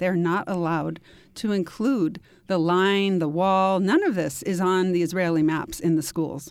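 A woman's unremarkable speaking voice at a medium pitch, fairly slow, with ordinary pitch variation, on a very clean recording with a silent background. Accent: American. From Detroit, US Midwest. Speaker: author. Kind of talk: interview.

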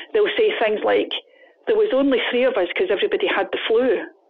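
Someone speaks at a very fast pace in a Scottish accent. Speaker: author. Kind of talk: casual interview. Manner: humorous, self-deprecating.

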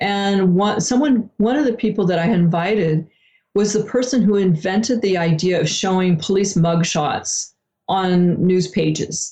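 A woman with an American accent speaks at medium pitch in a dark, mellow, somewhat breathy tone. Her pace is fairly slow, with ordinary pitch variation and very even loudness. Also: quiet background. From California. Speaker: journalist. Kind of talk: interview. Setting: remote call.

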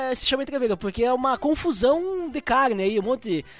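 The speaker has a southern Brazilian accent, a very fast pace and lively intonation. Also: man. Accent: gaúcho Brazilian Portuguese. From southern Brazil, Rio Grande do Sul. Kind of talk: casual chat.

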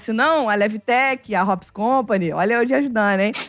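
A moderate pace with music in the background. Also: woman. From Duque de Caxias, Rio de Janeiro, Brazil. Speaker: beer podcaster. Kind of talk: casual chat.

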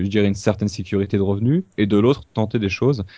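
An unremarkable speaking voice from a man, fairly low in pitch, with ordinary pitch variation. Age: 20s. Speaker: entrepreneur, image and dating coach. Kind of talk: interview.

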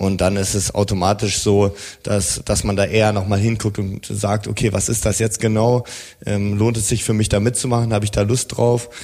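Speaking at a moderate pace, a man has a fairly low pitch and a monotone, flat intonation. His loudness stays very even. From Celle, Lower Saxony. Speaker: startup co-founder. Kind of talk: interview.

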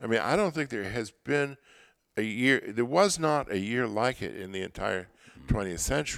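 In an American accent, a plain, everyday voice moves at a moderate pace with lively intonation on a very clean recording with a silent background. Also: man, medium pitch for a man. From Boston, Massachusetts. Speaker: author and arts journalist. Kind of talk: interview.

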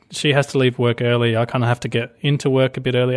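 A man's medium-pitched, very fast speech in a strong Australian accent. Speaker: app developer. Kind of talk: casual interview chat. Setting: remote call across time zones.

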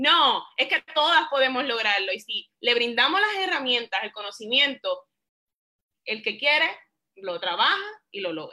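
A raised, projected voice with a bright, sharp, energetic tone moves at a fairly slow pace through very wide pitch swings. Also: woman, high pitch for a woman. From Puerto Rico. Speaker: fitness coach, trained nurse. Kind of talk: motivational interview. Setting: conference call.

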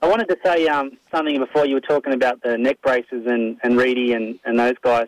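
In an Australian accent, a man talks at a very fast pace with hardly any pauses, keeping very even loudness at a medium pitch with ordinary pitch variation, the sound dry and close with no echo. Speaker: caller. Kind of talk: casual chat. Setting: phone call.

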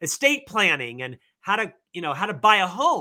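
In an American accent, a raised, projected voice with a bright, sharp tone swings very widely in pitch on a very clean recording with a silent background. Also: man. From Orlando, Florida. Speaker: author and mentor. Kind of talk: interview answers.

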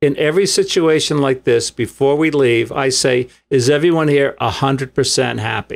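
Using a normal speaking voice, a man talks at a moderate pace with a fairly high pitch, ordinary pitch variation and hardly any pauses. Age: 60s. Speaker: photography workshop instructor. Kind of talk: casual interview.

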